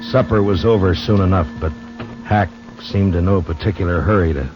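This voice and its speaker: Lead: a low-voiced, steady lawman narrating a western, old muffled radio broadcast with music underneath. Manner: calm, wry, measured. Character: steady frontier marshal, grown man, calm and dry. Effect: old 1950s radio broadcast recording. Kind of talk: 1950s radio drama acting and narration.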